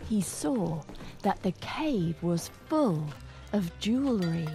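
A woman narrating a children's story in English with a clear, teacherly manner. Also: medium pitch, sing-song, takes it slowly, mellow, faint music behind.

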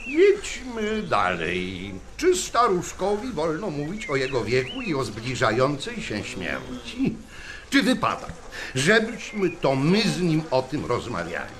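A man's voice: fairly high pitch, huge pitch swings, a little slow, fairly bright tone, slight background noise, full character voice. A man playing a pedantic, darkly cheerful schoolteacher in a theatrical radio drama style, questioning his class. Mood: insistent.

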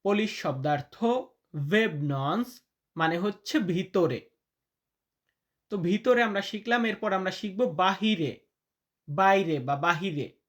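A man teaching vocabulary in a lesson, repeating each word slowly and deliberately, chatty and calling his listeners brother. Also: sits high, animated, a bit bright. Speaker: language teacher.

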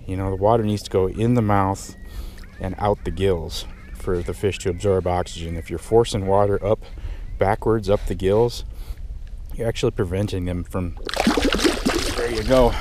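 A man's voice: deep voice, moderate pace. A middle-aged man from the United States, a fishing vlogger talking casually on a rocky lake shore while he fishes. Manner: relaxed, explanatory, excited when hooking fish. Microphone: camera mic, often head-mounted. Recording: outdoor wind noise.

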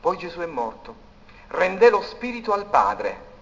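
A man preaching a sermon, swinging between loud declaiming and hushed, intimate passages. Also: high-pitched, very animated, unhurried. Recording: dull recording in a reverberant hall.

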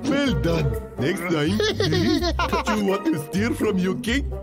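A pompous cartoon monkey king, played by a woman, bossy and commanding. The delivery is slow and animated, with loud music behind it. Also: mid-range voice. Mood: smug.

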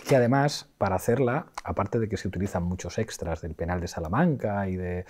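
A man's voice: deep voice, brisk, darkish tone, slight background noise. A man from Spain hosting an interview, asking probing questions in a casual, colloquial way. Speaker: interviewer, host. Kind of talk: conversational interview.

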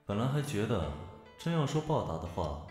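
A man's voice: lowish voice, very animated, normal speed, a little mellow, soft background music. A man playing a protective, playful young elder brother in an audio drama, with exaggerated indignant banter. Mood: teasing, exasperated. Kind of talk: fan audio drama acting.

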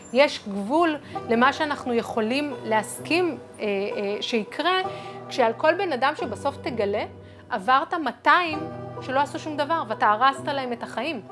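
A woman speaking earnestly in an interview, arguing her point with frequent fillers. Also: sits high. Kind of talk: interview talk. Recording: music bed underneath.

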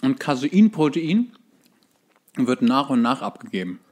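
A man's voice: medium pitch, sing-song, unhurried, a little mellow, breathy edge. A man co-hosting a casual podcast, explaining and dryly joking while sounding like he is chewing. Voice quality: chewing, speaking with mouth full. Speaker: podcast co-host. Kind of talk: casual chat.

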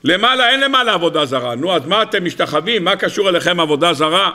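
Rabbi guy teaching torah, bright sharp voice, lively and teasing, asks question after question. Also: high-pitched. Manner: rhetorical questions, animated and teasing. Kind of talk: Torah lesson to an audience.

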